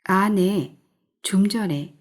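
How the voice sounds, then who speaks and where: A woman's voice: mid-range voice, drawn-out words. A woman voicing a cautious, nagging middle-aged wife in an audiobook.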